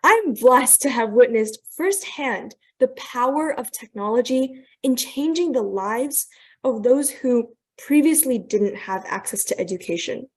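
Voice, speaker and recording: Young female student speaker, high-ish voice, earnest and polished, video-call mic. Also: expressive, measured pace, slightly rough. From Thailand, raised in New York. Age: young adult. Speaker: guest speaker. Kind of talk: prepared presentation on a video call.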